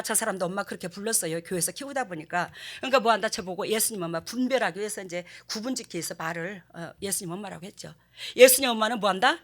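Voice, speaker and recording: Older woman pastor, sermon, bright voice, pitch swooping all over, acts out quotes. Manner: animated storytelling, acting out quotes.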